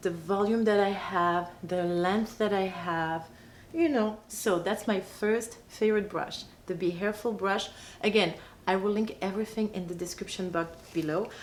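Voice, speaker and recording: Audible room echo surrounds a woman speaking at a moderate pace, with medium pitch and fairly even intonation. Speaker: hair care YouTuber. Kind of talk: tutorial. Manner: casual, chatty.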